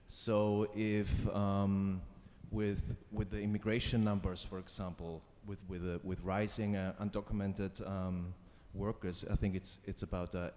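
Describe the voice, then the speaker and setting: Low-voiced young Austrian man, hesitant. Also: mellow, a little hiss or hum. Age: young adult. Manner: hesitant, searching for words. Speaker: audience member, master's student. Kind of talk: asking a question at a lecture. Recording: reverberant lecture hall.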